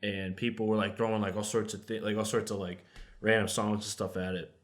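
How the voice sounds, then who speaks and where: Chill young dude on a podcast, kinda low voice, says dude and swears a bunch. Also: male voice, flat delivery, a little fast. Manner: laid-back, swears casually, calls others dude. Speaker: podcast co-host. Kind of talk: casual chat.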